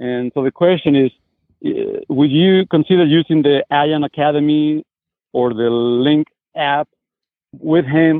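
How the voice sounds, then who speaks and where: At a fairly slow pace, a man talks with long, frequent pauses. His pitch is fairly high and his intonation fairly even. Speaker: caller. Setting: phone call.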